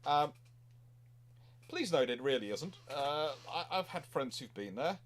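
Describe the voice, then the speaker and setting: A man's voice: a little high, expressive, a little slow. A man hosting a casual panel chat, explaining things in a rambling, digressive way with repeated words. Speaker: naval history show host.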